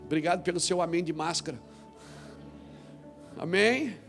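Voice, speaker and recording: A man preaching a sermon as pastor, acting out scripture voices and swinging from quiet talk to shouts. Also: high voice, normal speed, faint music behind. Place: church hall.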